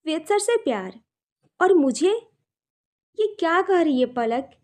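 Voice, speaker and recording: A woman's voice: animated, normal speed, dark tone. Woman voicing a heartbroken, tearful young woman. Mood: disbelief. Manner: pleading, questioning, rising pitch when upset.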